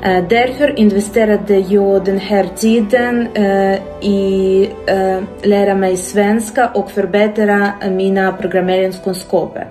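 A woman speaking slowly and hesitantly with many pauses, filmed in a small room. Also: mid-range voice, steady tone, warm tone, soft background music. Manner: slow, hesitant, many "eh" fillers. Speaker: interviewee, expat. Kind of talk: casual testimonial.

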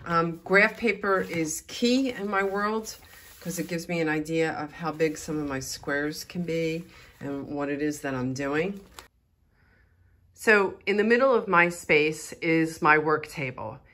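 A woman's voice: sits low, measured pace, a bit bright. A middle-aged woman with a Philadelphia American accent, chattily explaining things as she gives an informal studio tour. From Philadelphia, United States. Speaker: artist and studio tour host.

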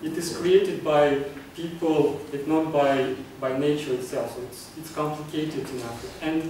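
A man's voice: a little high, fairly even intonation, moderate pace, a little mellow, a little hiss or hum. A man, giving an earnest club speech in a meeting room and often restarting his phrases with fillers. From Kazakhstan. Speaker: club speaker. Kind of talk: prepared public speech. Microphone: far camera. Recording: echoey room from far off.

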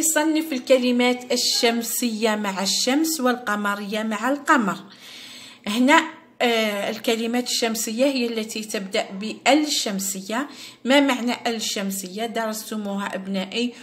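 A woman teacher with an Algerian Arabic accent, patiently explaining an exam to young pupils and repeating each word slowly for them. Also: a little high, fairly bright tone. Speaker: primary school teacher. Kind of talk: lesson explaining a first-grade exam. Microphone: recorded at her device, screen-share style.

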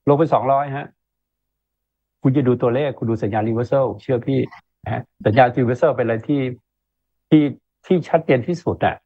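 Husky man giving stock tips over a phone line. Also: mid-range voice, normal speed, dark tone, dry recording. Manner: emphatic, keeps checking with rhetorical questions. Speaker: investment analyst guest. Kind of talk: stock market commentary in conversation. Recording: tinny phone-line sound.

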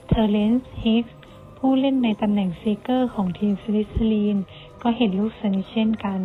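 A woman reading a storybook aloud in Thai, lively, shifting her voice for the characters. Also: mid-range voice. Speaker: audiobook reader. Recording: tinny phone-like sound with faint music.

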